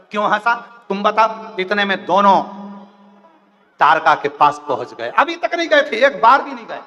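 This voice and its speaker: A man preaching a devotional Hindu katha, acting out the figures' dialogue and breaking into song. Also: high voice. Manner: animated, acts out dialogue, breaks into bhajan singing. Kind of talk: devotional storytelling sermon with song. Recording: long hall reverb, faint music.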